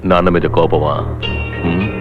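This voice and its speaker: A man dubbing a stern older village father who speaks slowly and gravely in a film dub. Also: sits low, flat delivery, natural voice. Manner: slow grave commanding. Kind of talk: dubbed film dialogue. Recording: dull film audio with music.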